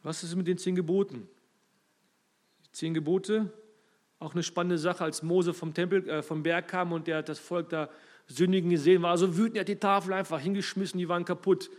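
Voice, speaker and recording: A man delivers a sermon in a fairly high voice. He speaks with emphasis, his loudness swells and drops, and he addresses his listeners directly. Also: steady tone, brisk. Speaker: preacher.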